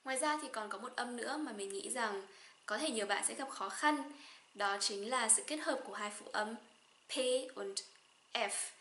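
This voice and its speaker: A young woman from Vietnam with a Northern Vietnamese accent, teaching a slow pronunciation lesson and saying each example word twice. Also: on the high side, pushed and bright, reverberant. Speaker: German teacher.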